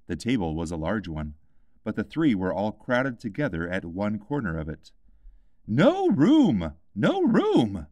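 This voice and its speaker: A man's voice: low voice, animated, moderate pace, no echo, highs cut off. A man reading a scripted children's classic as an audiobook narrator.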